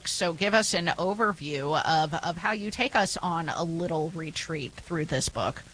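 Low-voiced woman reading radio news. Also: measured pace, fairly bright tone, low-quality recording. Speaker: news anchor and co-host.

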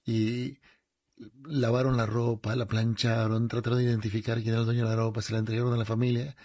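A man's voice: medium pitch, little pitch movement, fast talker, darkish tone, no room sound, clean studio sound. A man hosting a talk show, chatting in an easy, thoughtful way and drawing out his words. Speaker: radio host. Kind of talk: casual chat. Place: New York.

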